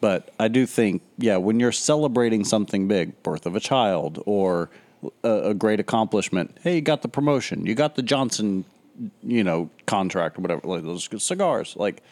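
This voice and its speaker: A man in his early thirties co-hosting a podcast, talking in a measured, thoughtful, dry way. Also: fairly low pitch, expressive, a little mellow. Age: 30s. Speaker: podcast co-host. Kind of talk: casual chat.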